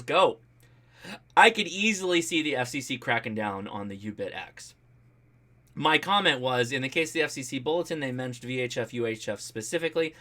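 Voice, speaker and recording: Male livestream host, American, bright and punchy mid-range voice, animated and jokey, off-the-cuff delivery. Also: medium pitch. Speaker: host of a ham radio livestream. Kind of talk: casual livestream chat, reading and answering viewer comments.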